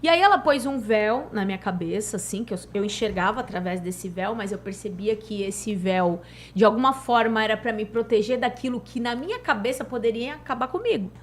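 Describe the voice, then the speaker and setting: Brazilian woman from santos, bit high voice, emotional animated storytelling, faint noise behind. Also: a little fast, few pauses. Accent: Brazilian Portuguese, Santos. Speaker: podcast guest sharing a spiritual experience. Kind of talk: casual chat, storytelling.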